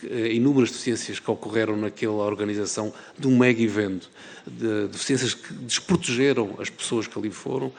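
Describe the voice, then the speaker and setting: A middle-aged man from the Algarve with a European Portuguese accent, giving a formal address at a parliamentary hearing, measured and full of hesitations. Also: lowish voice, fairly even intonation, vocal fry, big-room sound. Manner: measured, with many filler "eh"s and restarts. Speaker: member of parliament chairing a hearing. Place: parliament committee room.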